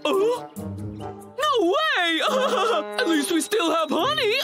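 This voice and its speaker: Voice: extremely high pitch, very animated, drawn-out words, heavily acted. An actor voicing a goofy, naive, gluttonous cartoon bear, whiny and simple-minded. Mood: greedy, stubborn. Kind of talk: cartoon acting. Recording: loud music under the voice.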